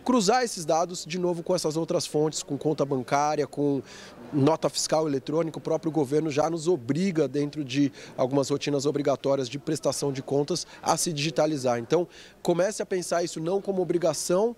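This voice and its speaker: A man's voice: fairly high pitch, a little fast, darkish tone. A man in an interview giving practical advice on digitizing farm records, repeating his points for emphasis. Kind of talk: interview answer.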